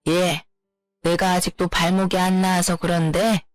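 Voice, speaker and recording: Brief: a sharp, belittling older mother-in-law, a woman puts her on in a lower voice for a story, faint music behind. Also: level tone, measured pace, no echo, close to an everyday voice. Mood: wheedling. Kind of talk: storytelling narration.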